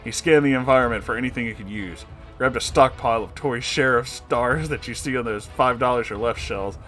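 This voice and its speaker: A man reads a comic story aloud as its narrator, with music playing behind him. His voice is mid-pitched, and his delivery is dramatic with an amused edge. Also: a little fast, fairly bright tone. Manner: amused, breaking into laughing asides.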